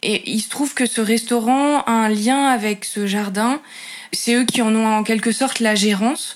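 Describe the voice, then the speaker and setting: With fairly even intonation, a woman speaks at a fairly high pitch and a fairly slow pace. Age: 30s. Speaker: music teacher and volunteer. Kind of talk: testimony. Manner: halting.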